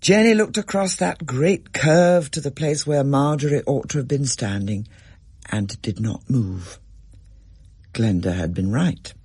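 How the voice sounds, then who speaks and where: A storyteller reading a scripted story aloud, expressive and varied, with a husky voice. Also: mid-range voice, measured pace, no room sound.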